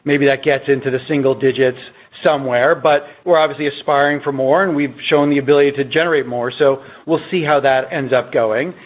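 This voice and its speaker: A man speaking as a company executive, answering on an earnings call in a measured, explanatory way. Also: medium pitch, steady tone. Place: conference call line. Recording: dull, muffled conference call audio.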